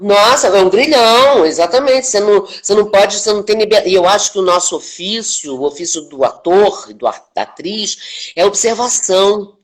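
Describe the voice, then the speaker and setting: An older woman in her sixties from Brazil, an actress talking on a video-call interview in an emphatic, animated way, often ending points with a quick question to the listener. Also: medium pitch. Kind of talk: reflective conversation. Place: home, online live stream.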